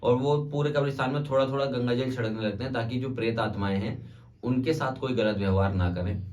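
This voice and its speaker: A man narrating a spooky tale in an easygoing, chatty manner, looping back on phrases as he goes. His voice sits at a plain middle pitch and sounds a little distant from the microphone. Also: darkish tone. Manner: conversational, repetitive fillers. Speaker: storyteller. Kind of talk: casual spoken horror storytelling.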